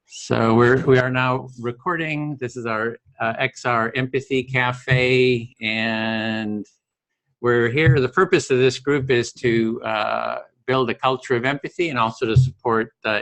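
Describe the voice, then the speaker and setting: A man's voice: medium pitch, a little slow. A man running an online meeting, laying out the plan steadily with a few fillers, over a video call. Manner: organizing, steady with frequent fillers. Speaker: facilitator of an online empathy circle. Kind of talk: casual meeting facilitation.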